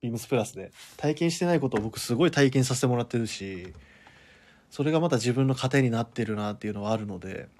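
A man hosting a live radio show alone, chatting in a relaxed way, laughing often as he reads listener comments. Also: mid-range voice.

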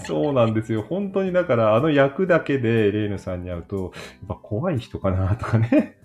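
A woman's voice: very deep voice, animated, fairly quick, darkish tone, muffled recording, soft background music. A woman interviewing in a casual chat, responding supportively with frequent short acknowledgements.

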